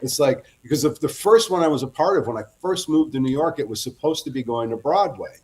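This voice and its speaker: A middle-aged man chats as a guest author, spinning a long anecdote. His pitch sits at an ordinary middle level, and he wanders and cuts himself off as he talks. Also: expressive, a little fast, darkish tone. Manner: rambling anecdotal storyteller, self-interrupting. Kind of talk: casual interview chat.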